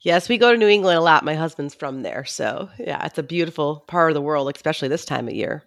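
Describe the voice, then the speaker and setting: A woman's voice: low voice, lively intonation, quick pace, no echo, studio quality. A woman hosting a podcast, upbeat and chatty, asking long rambling questions. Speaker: podcast host. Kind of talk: casual interview chat.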